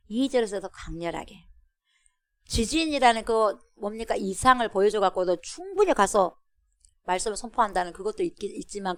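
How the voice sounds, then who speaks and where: A woman pastor giving an animated expository sermon, calling out to her congregation and acting out a roaring lion. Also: medium pitch, no room sound, studio quality.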